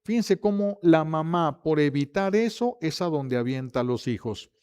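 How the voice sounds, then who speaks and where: A man preaching a sermon, acting out the voices of family members in quick anecdotes. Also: a little high, lively intonation, a little mellow, clean tone. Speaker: priest.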